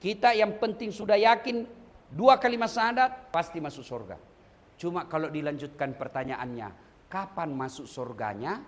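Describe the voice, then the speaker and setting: A man preaching at a condolence gathering, animated and humorous, often speaking straight to his listeners. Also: a little high, moderate pace. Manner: animated and humorous, addressing listeners directly as "Pak". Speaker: Islamic preacher.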